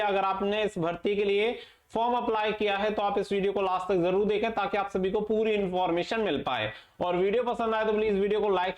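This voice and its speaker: A man with a high voice hosts an informal update for exam candidates. He speaks straight to his viewers and drops in English terms. The recording is slightly dull, with clear room echo. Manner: direct address, mixing in English terms. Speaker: exam-update channel host. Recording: echoey room, slightly muffled sound.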